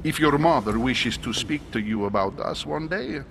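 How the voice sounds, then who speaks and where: An actor playing a discreet, paternal Catholic churchman in a video game, speaking in a measured, ceremonious, formal way. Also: mid-range voice, lively intonation, gravelly, background noise. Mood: courteous, guarded. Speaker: actor in a narrative adventure game. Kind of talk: cinematic game dialogue. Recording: game dialogue over background music.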